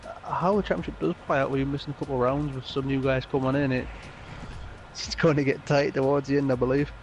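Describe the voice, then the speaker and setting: A man's voice: medium pitch, fairly even intonation, fast talker, a little mellow, slight background noise, rough recording. A man interviewing a driver in a casual, joking way. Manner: light, joking questions.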